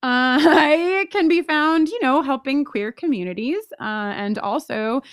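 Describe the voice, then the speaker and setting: A woman co-hosting a podcast in casual, reflective chat, with an earnest, halting, informal way of talking. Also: high-pitched, lively intonation, no echo, clean studio sound. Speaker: podcast co-host.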